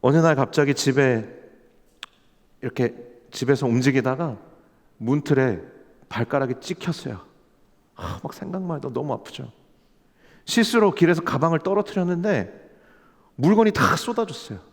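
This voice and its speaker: A male pastor delivers a sermon in a fairly high voice. His tone is earnest and climbs into fervent emphasis. The long reverb of a church hall trails behind every phrase. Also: darkish tone. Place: church sanctuary.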